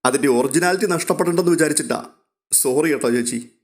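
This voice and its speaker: A man's voice: medium pitch, steady tone, a little fast, darkish tone, lightly acted. A man voicing a playful young woman who teases and apologizes lightly. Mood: teasing.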